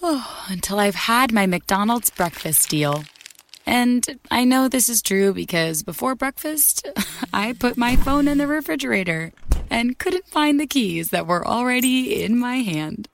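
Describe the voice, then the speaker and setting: A woman voices an advertisement in a casual, conversational way. Her voice is fairly high, with faint noise behind it. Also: expressive, a little slow, creaky.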